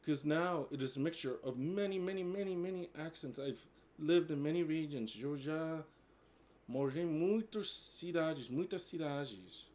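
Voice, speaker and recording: A native English-speaking vlogger from the United States, in his forties, chats hesitantly to camera and drifts back and forth between Portuguese and English with many fillers. His voice is a little high and darkish, and his pace is unhurried.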